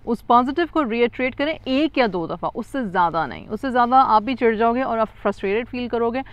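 A woman's voice: on the high side, no echo, highs cut off. A woman talking through a parenting book chapter in a conversational way, explaining patiently and often switching into English phrases.

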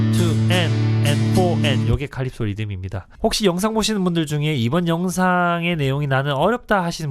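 A man teaching a guitar lesson, counting rhythms aloud patiently, step by step. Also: fairly high pitch. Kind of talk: spoken music lesson.

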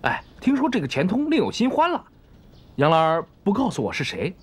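A man's voice: high voice, wildly swooping pitch, fairly quick, slightly rough, full character voice. An actor playing a flustered, easygoing young man in a period TV drama. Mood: sheepish. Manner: flustered, pleading. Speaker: young son, suitor.

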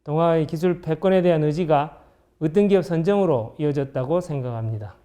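Mellow, higher-voiced male executive. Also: a little fast. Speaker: company chief executive interviewee. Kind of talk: formal prepared interview statement.

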